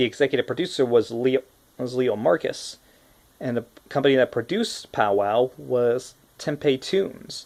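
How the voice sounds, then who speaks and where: A man's medium-pitched voice with lively intonation at a moderate pace, on a very clean recording with a silent background. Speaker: animation reviewer. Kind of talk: casual review talk to camera.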